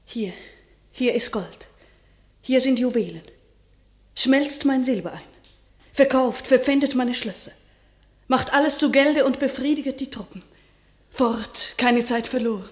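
High-voiced, impassioned young heroine played by a woman. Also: a little slow, long pauses, lightly acted. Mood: urgent, devoted. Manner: declamatory, solemn verse delivery. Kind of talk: German classical stage-style radio drama acting.

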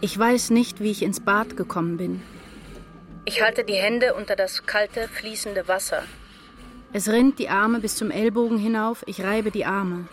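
An actress playing an anxious woman writer in love, speaking her intense inner thoughts and confessions in a measured literary radio drama. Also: mid-range voice, steady tone, natural voice. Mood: anxious, desperate. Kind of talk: literary radio drama, first-person inner monologue and dialogue.

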